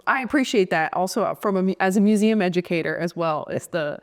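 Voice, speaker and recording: A woman's voice: lowish voice, brisk. A woman hosting a casual interview, talking thoughtfully and searching for her words as she goes. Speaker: interviewer, museum educator.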